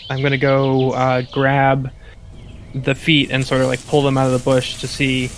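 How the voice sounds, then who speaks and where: A man playing a tabletop game, casually describing his character's actions in halting phrases peppered with "like". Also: medium pitch, monotone, slight background noise. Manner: halting, heavy use of like.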